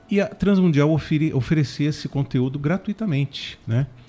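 A man's lively intonation comes through with music playing behind him. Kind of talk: radio interview.

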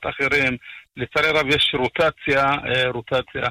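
Fairly high in pitch, a man speaks at a fairly slow pace. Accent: Arabic. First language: Arabic (speaking Hebrew). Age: 50s. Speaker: mayor. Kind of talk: phone interview.

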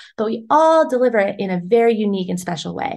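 A woman with an American accent, fairly high-pitched, animated in tone and lively in intonation. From California. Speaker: singing coach and business consultant to voice teachers. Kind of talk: interview. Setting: video call.

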